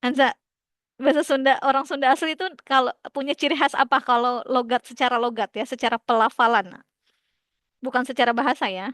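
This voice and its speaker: A woman's voice: sits high, fairly even intonation, brisk, fairly bright tone, dry recording, clean studio sound. A woman lecturer explaining to her class in casual speech and putting questions to the students.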